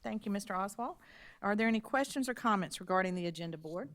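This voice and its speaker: A woman's voice: mid-range voice, expressive, fast, a bit bright. Woman chairing a formal board meeting. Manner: procedural, polite, with small restarts.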